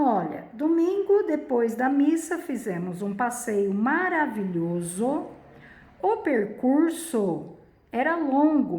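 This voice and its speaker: A woman teacher walks through a spelling lesson one step at a time, very slowly and patiently. Her voice sits a little high and moves lively up and down. The room around her is echoey. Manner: slow, patient, explaining step by step.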